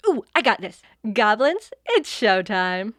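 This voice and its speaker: A woman's voice: medium pitch, very animated, unhurried, a bit bright, no echo, studio quality. A woman playing a breezy, theatrical schoolgirl in an audio drama comedy, chatty and slangy as she tells things dramatically. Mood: sassy. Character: breezy, theatrical teenage girl student, loves acting.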